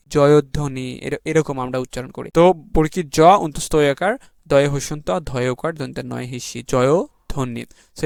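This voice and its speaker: Slow letter-by-letter Bangladeshi teacher, man. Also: a little high, vocal fry, no room sound, studio quality. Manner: spells words out slowly letter by letter, drawing out key words. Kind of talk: exam revision lesson.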